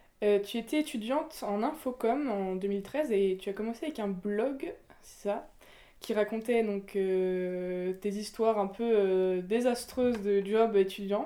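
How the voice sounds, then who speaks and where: The tone is dark and mellow. Delivery moves at a very slow pace. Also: woman. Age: 20s. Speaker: podcast host. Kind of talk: interview; scripted intro.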